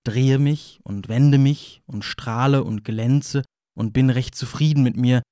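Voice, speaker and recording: A man's voice: mid-range voice, steady tone, takes it slowly, dark tone, dry recording, clean studio sound, natural voice. A man playing a wry, wounded narrator who confesses in a rambling, repetitive way, in an audio play monologue. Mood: wry, musing. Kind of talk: audio play monologue, ironic first-person storytelling.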